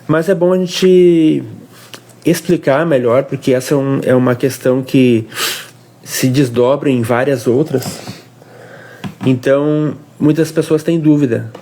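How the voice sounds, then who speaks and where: A man's voice: mid-range voice, fairly even intonation, warm tone. A man from Brazil leads a casual devotional livestream from home. He explains a faith question in a mid-range voice, patiently and plainly, breaking off to restart a phrase and asking "right?" along the way. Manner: explanatory, pauses and restarts, asks "tá?". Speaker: co-host of a family devotional livestream.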